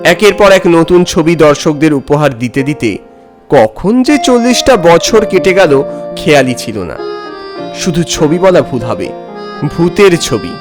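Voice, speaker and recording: Animated male storyteller, music behind. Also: fairly high pitch, unhurried. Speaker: narrator and voice actor of an animated horror story. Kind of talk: dramatic first-person story narration.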